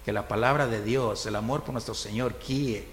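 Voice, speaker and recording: A man's voice: mid-range voice, normal speed. A man preaching a conversational sermon, often asking "right?" and chuckling. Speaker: pastor. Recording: reverberant hall, faint noise.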